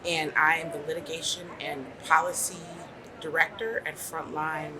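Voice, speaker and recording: A woman from the American South, a legal policy director, speaking in a measured, grateful testimonial at a conference. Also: low voice, level tone, rough recording. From New Orleans, US South. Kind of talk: short testimonial interview. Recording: crowd chatter behind.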